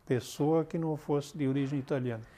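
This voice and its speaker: Mellow older southern Brazilian man. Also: fairly high pitch, fairly even intonation, fairly quick. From Santa Catarina, southern Brazil. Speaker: interview guest, retired army colonel. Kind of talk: conversational recollection.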